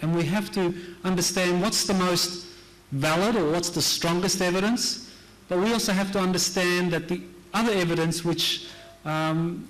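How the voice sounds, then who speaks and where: A man's voice: sits high, low-quality recording. A middle-aged man from Hawaii giving a conference lecture in an earnest manner, repeating key phrases for emphasis. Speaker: conference speaker. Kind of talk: lecture presentation.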